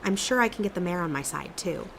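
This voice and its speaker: A woman's voice: on the low side, animated, fast talker, gravelly, a bit bright, a little hiss or hum, poor audio. A woman playing an earnest, determined young woman in an audio drama, with a persuasive manner. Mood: earnest, pleading.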